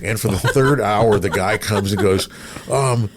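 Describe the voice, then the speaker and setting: On the low side and unhurried, with slight background noise, a middle-aged American man who hosts and broadcasts on radio chats casually. He tells rambling anecdotes and acts out what people said.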